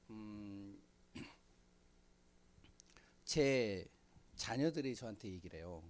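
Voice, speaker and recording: A middle-aged man preaching a sermon in a church, speaking conversationally with many fillers and frequent throat clearing. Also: fairly low pitch, a little mellow. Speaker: pastor. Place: church sanctuary.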